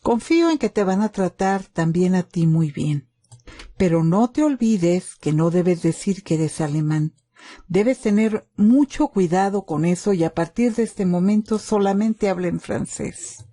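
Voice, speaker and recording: A woman voicing a calm, protective male soldier in a wartime story, instructing and reassuring. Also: on the low side, unhurried, dry recording. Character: calm, protective German soldier, adult man.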